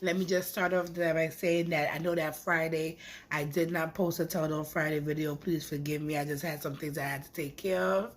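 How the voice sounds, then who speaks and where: A woman talks at a fairly quick pace with a Trinidadian accent. Her pitch is fairly low. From Trinidad and Tobago. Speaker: YouTuber. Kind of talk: commentary vlog. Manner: animated.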